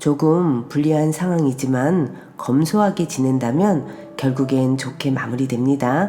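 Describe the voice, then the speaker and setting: A woman speaks at a very slow pace with a very deep, low pitch while music plays in the background. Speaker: tarot reader and fortune counselor. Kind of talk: daily horoscope narration.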